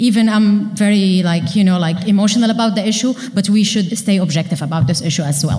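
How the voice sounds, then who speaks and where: Audible room echo surrounds a woman talking very fast at a medium pitch in an Arabic accent. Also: ordinary pitch variation. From Syria. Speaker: panelist with refugee family. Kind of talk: live panel discussion.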